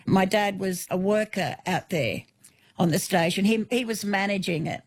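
A woman's voice: mid-range voice, moderate pace. A woman in her sixties with an Australian accent, a guest in a radio interview, telling vivid stories from her life. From New South Wales, Australia. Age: 60s. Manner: warm storytelling, vivid lists, some restarts. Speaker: author and guest.

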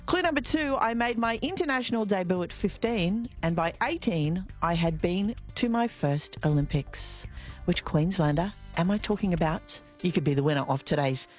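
A woman presents a live radio show in a chatty, informal manner. Her pitch rises and falls in an animated way as she talks into a studio microphone. Faint music sits under her voice. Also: moderate pace. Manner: chatty, lively, informal asides. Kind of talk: live radio hosting, quiz segment.

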